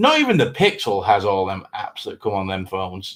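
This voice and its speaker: Speaking fairly quickly in an English accent, a man lets his pitch swing very widely. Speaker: podcast co-host.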